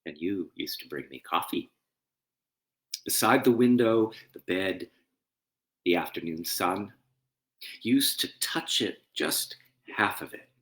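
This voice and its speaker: A man who is a minister, speaking in a reflective, halting way as he introduces and reads poetry. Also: low-pitched, expressive, fairly bright tone. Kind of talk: informal spoken introduction and poetry reading.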